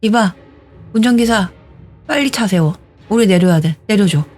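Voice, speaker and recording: A woman voicing an elderly male war veteran who shouts and demands answers in a told story. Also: medium pitch, moderate pace, faint music behind, close to an everyday voice. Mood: angry.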